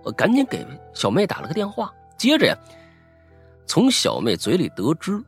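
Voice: mid-range voice, huge pitch swings, normal speed, slightly rough, dry recording, soft background music. A storyteller narrating a ghost story dramatically, often stammering and repeating words for suspense.

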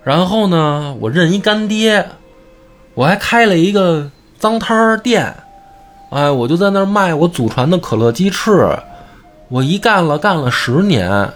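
A man's voice: high-pitched, expressive, unhurried, pitched above the performer's own voice. A man voicing a confused young husband rambling about a long dream, in a comic storytelling.

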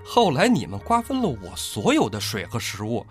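An actor in a radio drama playing a vengeful, gloating miner turned killer, with a maniacal manner. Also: male voice, medium pitch, huge pitch swings, normal speed. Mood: gloating, sinister. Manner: gloating, breaking into maniacal laughter and sobbing. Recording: music behind the voice.

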